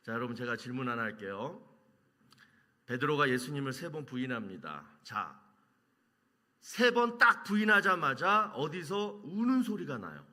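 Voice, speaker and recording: A man preaching a sermon as pastor, quizzing the congregation and answering his own questions, moving between loud emphasis and hushed lines. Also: medium pitch. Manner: asks the congregation questions and answers them himself.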